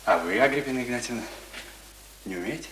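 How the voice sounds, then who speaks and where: A man playing an awkward, middle-aged gentleman caller in a radio play, stiffly polite and halting. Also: medium pitch, lively intonation, natural voice. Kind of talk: Russian radio play acting. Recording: echoey, distant, noisy radio recording.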